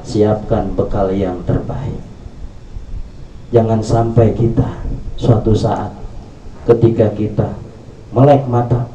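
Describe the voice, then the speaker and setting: A man's voice: on the low side, mellow, lo-fi sound, slight background noise. A man preaching a sermon, telling stories with humorous asides and acting out the voices. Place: indoor company gathering room. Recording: echoey room, mic far off.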